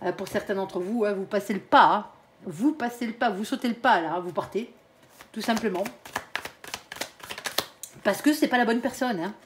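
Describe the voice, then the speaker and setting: A woman with a regional French accent reads tarot in a loose, chatty way. She is blunt and familiar, dropping "hein" after nearly every phrase, and her voice sits in a middle pitch. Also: moderate pace, pauses often, slight background noise. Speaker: tarot reader. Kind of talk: casual spoken tarot reading.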